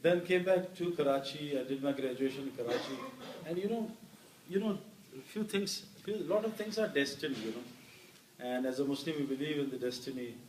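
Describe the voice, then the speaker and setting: A middle-aged man from Pakistan, an interview guest and former cricketer, telling stories warmly with many fillers. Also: medium pitch, fairly quick, slight background noise. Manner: warm anecdotal telling with many "you know" fillers. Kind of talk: storytelling in an interview. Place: hall with an audience. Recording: roomy hall, voice picked up from a distance.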